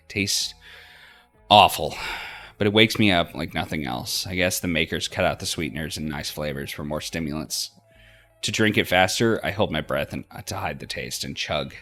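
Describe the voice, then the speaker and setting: A man reading a visual novel aloud as expressive first-person narration for a let's play. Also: very deep voice. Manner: acts out dialogue between narrated passages.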